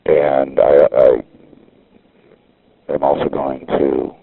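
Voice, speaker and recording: Over a payphone line, a caller with a rumbling low voice leaves a rambling, casual message. His gravelly, breathy delivery barely shifts in pitch, and he keeps breaking off and restarting sentences.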